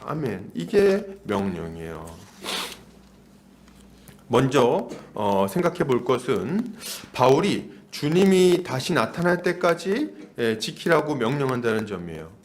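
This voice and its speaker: A man's voice: mid-range voice, a little hiss or hum. A man of about forty preaching an expository sermon as a pastor, using emphatic repetition and rhetorical questions.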